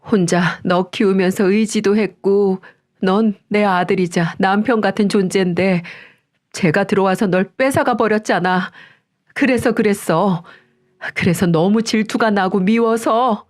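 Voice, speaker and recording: A woman's voice: medium pitch, unhurried, darkish tone, lightly acted. A woman doing a cruel, bullying mother-in-law. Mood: pleading. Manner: scolding, contemptuous, bullying. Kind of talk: storybook reading.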